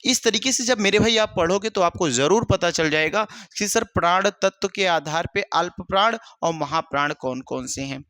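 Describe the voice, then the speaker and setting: Guy teacher, pretty high voice, keeps asking then answering himself, dry close sound. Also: normal speed, hardly any pauses, pushed and bright, no room sound. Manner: repetitive, asks and answers his own questions, calls students brother. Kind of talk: exam-prep lesson.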